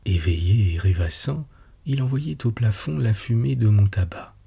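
A man narrating a storybook tale in a hushed, husky voice, lifting his voice for quoted lines. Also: lowish voice, expressive, normal speed. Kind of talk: storybook reading. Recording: soft music behind the voice.

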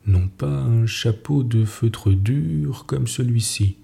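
A shrewd police commissioner weighs each word in a measured, knowing tone, as a man reading a story puts him on. His delivery is slow, with a gravelly, dark edge. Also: medium pitch.

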